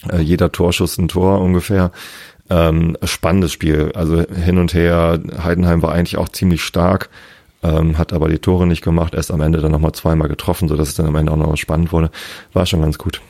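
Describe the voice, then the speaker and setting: A hoarse man chatting casually about a football match, full of fillers and restarts. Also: sits low, flat delivery, fairly quick, warm tone, no echo, studio quality. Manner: hesitant, many fillers and restarts. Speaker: football fan guest. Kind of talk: casual conversation.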